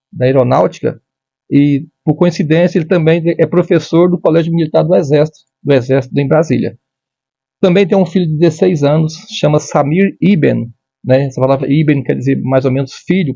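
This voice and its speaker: A man's voice: mid-range voice, creaky, mellow, dry recording, highs cut off. A man in his fifties from Brazil, a retired military police major, speaking formally and with frequent restarts as an interview guest. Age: 50s. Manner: measured, formal, with many restarts. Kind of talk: conversational interview.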